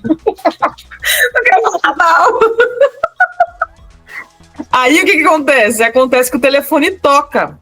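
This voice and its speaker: A young woman with a Brazilian Portuguese accent, co-hosting a podcast and telling a story in a casual, animated way with frequent laughter. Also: mid-range voice. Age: young adult. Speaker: podcast co-host.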